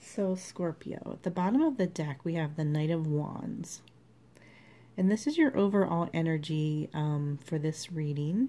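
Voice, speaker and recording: Her fairly low, somewhat breathy voice moves at a fairly slow pace, broken by long, frequent pauses. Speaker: tarot reader. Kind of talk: tarot reading. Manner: casual, with frequent fillers.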